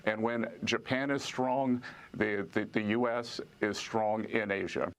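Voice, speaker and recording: A man's voice: fairly low pitch, fairly even intonation, measured pace, clean tone. A man giving a news report in a clip played on a livestream.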